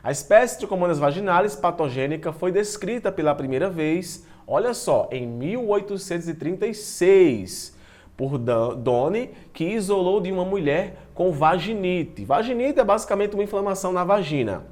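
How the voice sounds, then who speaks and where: A man's voice: sits high, lively intonation, moderate pace, darkish tone. A man teaches an online class. He talks to students directly and informally, moving between reading slides and adding comments. He is prone to stumbling and restarting on long technical terms. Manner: stumbles and restarts over long technical words, self-deprecating; chatty, addresses students directly.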